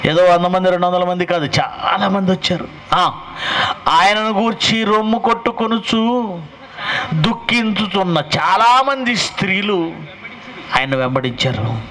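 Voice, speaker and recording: A man's voice: high-pitched, measured pace, pushed and bright, low-quality recording. A male pastor preaching a sermon and pressing his point with rhetorical questions. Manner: emphatic, fires rhetorical questions.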